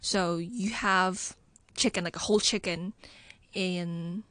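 A woman's voice: lowish voice, fairly even intonation, slow, a bit bright, dry recording. A woman from Hong Kong, a regular guest on a radio show, cheerfully explaining local food. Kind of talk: casual radio chat. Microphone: studio microphone.

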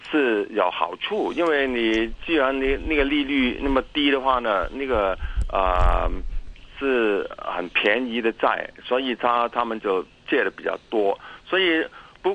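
A man with a Cantonese accent in his Mandarin, a native Cantonese speaker, giving explanatory interview answers in a halting way with many pauses and repeated words. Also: mid-range voice, a bit bright, low-quality recording. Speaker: interview guest, academic.

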